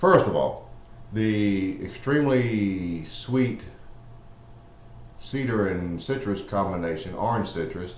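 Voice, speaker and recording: A man speaks with a fairly low pitch and lively intonation. Noticeable background noise runs underneath. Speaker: cigar reviewer. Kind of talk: casual product review to camera.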